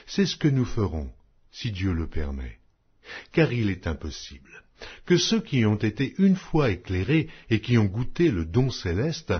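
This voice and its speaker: A man reading scripture aloud as an audiobook, in a solemn, measured, declamatory way. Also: fairly low pitch, very animated, husky, highs cut off. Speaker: audiobook Bible reader.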